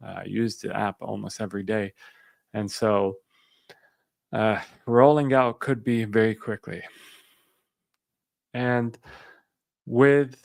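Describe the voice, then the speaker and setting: A man from Syria talks through market news on a live stream in a low, gravelly voice. He is unhurried, thinks aloud and fills his pauses with "uh". The sound is close and dry, with no room around it. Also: dry recording. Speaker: finance channel host. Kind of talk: live-stream market commentary with viewer questions.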